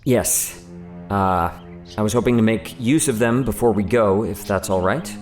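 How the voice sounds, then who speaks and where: A man's voice: on the low side, measured pace, a little mellow, faint music behind, natural voice. A man playing an earnest, inquisitive research doctor in an audio drama, polite and precise but slightly awkward. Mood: deferential.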